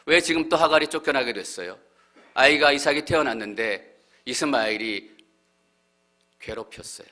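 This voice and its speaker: A male pastor giving an earnest sermon, growing louder and more fervent as he voices heartfelt prayers. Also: medium pitch, normal speed, pauses often. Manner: earnest preaching, swelling louder when voicing prayers.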